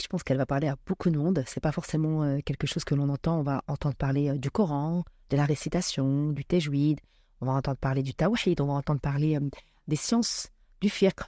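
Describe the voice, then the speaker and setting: A woman speaking as a podcast guest, reflecting on spiritual matters with many pauses and fillers. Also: low voice, dark tone, dry recording, clean studio sound.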